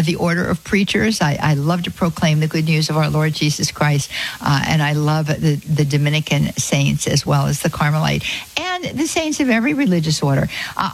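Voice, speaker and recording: A woman's voice: low voice, low-quality recording. A middle-aged woman hosting a live Catholic call-in radio show, speaking effusively with many fillers and restarts.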